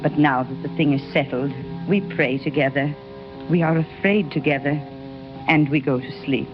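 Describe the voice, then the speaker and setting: An actress playing a bishop's devoted older sister, reading a letter gently and earnestly in a 1930s radio drama, on a muffled old broadcast. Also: female voice, low-pitched, steady tone, moderate pace, over music, close to an everyday voice. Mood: tender.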